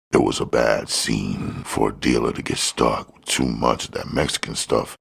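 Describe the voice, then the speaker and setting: A man's voice: very deep voice, creaky, breathy edge. A man reading scripted crime fiction as an audiobook narrator. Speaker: audiobook reader.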